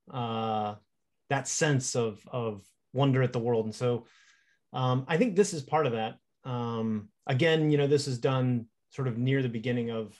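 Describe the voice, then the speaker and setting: A man speaks in a mid-pitched voice over a video call. He is an illustrator reflecting on his own work. His delivery is conversational and halting, as he searches for the right words. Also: darkish tone. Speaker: illustrator, panel guest. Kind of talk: reflective conversational talk about own artwork.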